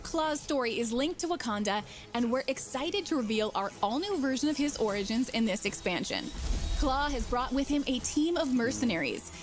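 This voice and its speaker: A woman delivers polished, upbeat scripted narration for a game presentation. Her voice is fairly high, and clear music runs beneath it. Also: expressive, moderate pace. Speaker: game developer presenter in trailer. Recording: played-back trailer under music.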